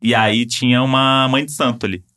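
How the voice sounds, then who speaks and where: A man with a Brazilian accent telling a story in casual chat, animated and full of fillers. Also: mid-range voice, a little fast. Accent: Brazilian Portuguese.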